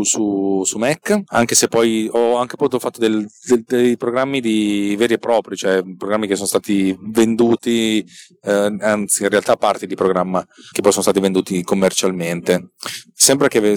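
A man in his forties with a somewhat low voice shares a personal story. His delivery is informal and unscripted, with hesitant repetitions as he gathers his thoughts. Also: normal speed, a little mellow. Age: 40s.

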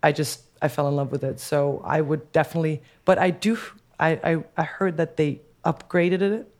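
A woman music producer with a deep, dark voice, chatting as a podcast guest, enthusiastic and hesitant with lots of fillers and restarts. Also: fairly even intonation, moderate pace. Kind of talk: casual podcast chat.

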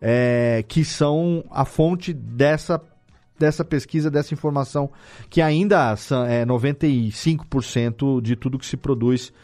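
A man's voice: mid-range voice, unhurried, a little mellow, faint music behind. A Brazilian man hosting a conversational podcast interview, speaking in an emphatic, colloquial way. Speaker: podcast host.

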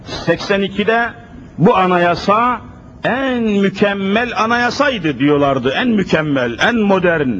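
A man's voice: high-pitched, expressive, takes it slowly, fairly bright tone. A man preaching an emphatic sermon at a pulpit microphone, pressing rhetorical questions and repeating phrases insistently. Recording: dull lo-fi recording with faint noise.

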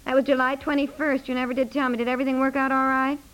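A woman's voice: sits high, flat delivery, racing, fairly bright tone, smooth. A woman playing an exasperated, wry housewife and new mother in a 1950s radio comedy, scolding with emphatic delivery. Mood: wry, inquiring. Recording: slightly aged 1950s radio recording.

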